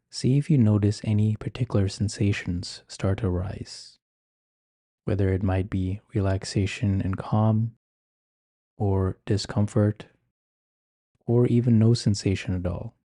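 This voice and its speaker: Male meditation guide: deeply relaxed, mellow low voice, gentle ASMR-like instruction, dry intimate recording. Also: dry recording. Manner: gentle, measured, unhurried phrasing with soft instructions.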